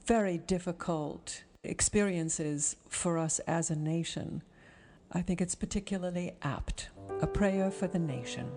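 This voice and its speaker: Female interview host, slightly low relaxed voice, articulate and appreciative delivery. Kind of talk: conversational interview hosting.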